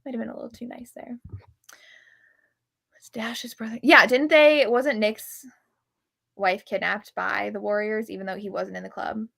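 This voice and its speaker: A woman with a bright, slightly crackly voice hosts a casual book livestream. She talks candidly and gives firm opinions in a conversational way. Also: medium pitch, fairly even intonation, normal speed, creaky, long pauses. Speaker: book reviewer and livestream host. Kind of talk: casual chat about books on a live show.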